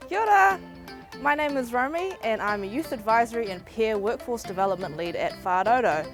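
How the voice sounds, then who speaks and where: A woman's voice: fairly high pitch, expressive, brisk. Composed woman in her twenties. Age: 20s. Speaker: youth advisory lead. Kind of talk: documentary interview. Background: background music.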